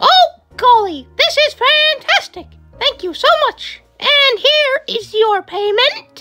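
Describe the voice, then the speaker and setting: This squeaky, cartoonish character voice moves at a fairly slow pace. Faint music plays in the background. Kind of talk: comic cartoon impression. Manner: cheery, excitable, greedy.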